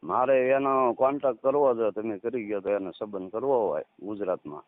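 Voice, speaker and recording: A man in his thirties with a Saurashtra Gujarati accent, talking casually as a caller in halting, repeated short phrases. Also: fairly low pitch, dry recording. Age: 30s. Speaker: caller, farmer. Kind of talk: casual phone conversation. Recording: tinny, narrowband phone call recording.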